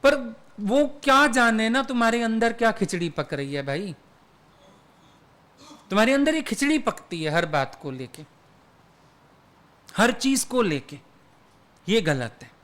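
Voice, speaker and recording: A man's voice: sits high, big pitch swings, measured pace, long pauses, a bit bright. A man giving a satsang sermon as a spiritual teacher, talking in a conversational, teasing way and dropping English words into his speech.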